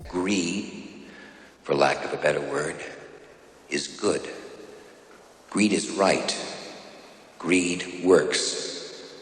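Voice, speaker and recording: An actor playing a smug, ruthless male broker who speaks slowly and deliberately in a film speech. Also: sits low, faint music behind. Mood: persuasive. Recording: reverberant hall.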